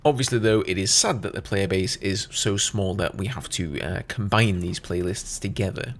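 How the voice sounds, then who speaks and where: A man's voice: sits low, normal speed, slight background noise. A man giving casual, conversational gaming news commentary as a YouTuber, explaining things as he goes.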